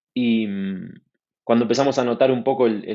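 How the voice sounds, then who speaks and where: A man with an Argentine accent talks at a fairly quick pace. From Argentina. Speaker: startup country manager. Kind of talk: interview. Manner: halting, repeats words.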